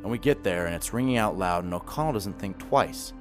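An actor playing an earnest, lovestruck small-town sheriff's deputy in an audio drama, halting and correcting himself as he confesses. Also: low voice, animated, over music. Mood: earnest, urgent. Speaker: podcast fiction actor.

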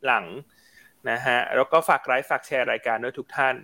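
A man's voice: medium pitch, little pitch movement, a little fast, bright, forceful tone. A man hosting a live stock market talk show, chatty and upbeat, often asking viewers to write in.

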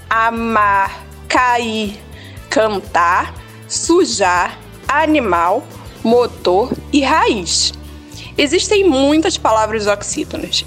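A woman teacher, explaining word stress in an upbeat way on a scripted educational podcast. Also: on the high side. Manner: lively, upbeat, didactic.

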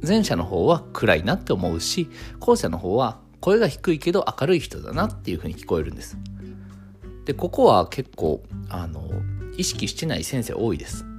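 A man talks through a solo radio monologue. His voice sits fairly low but rises and falls a lot. He keeps a calm, measured pace full of fillers, over soft guitar music in the background. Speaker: clinic owner and radio host.

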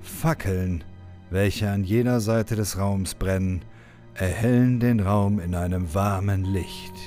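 A man with a fairly low voice narrates a homemade audio drama. His delivery is scripted and dramatic, setting scenes in a storyteller's manner, with music playing underneath. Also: takes it slowly, mellow. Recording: music bed behind the voice.

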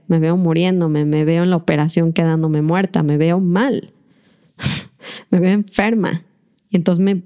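Low, mellow-voiced woman podcaster. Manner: earnest, guiding listeners through exercises. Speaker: podcast host. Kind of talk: reflective self-help podcast talk. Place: in her bedroom.

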